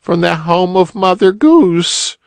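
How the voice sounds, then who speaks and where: A man voicing a sad little boy in blue who is lost and crying, in a high wailing voice. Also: lively intonation, takes it slowly, gravelly, smooth, no room sound, full character voice. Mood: tearful.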